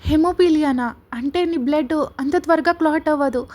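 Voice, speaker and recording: A woman's voice: high voice, normal speed, close to an everyday voice. A woman reading a story aloud voices a short-tempered young male boss who scolds impatiently. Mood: concerned.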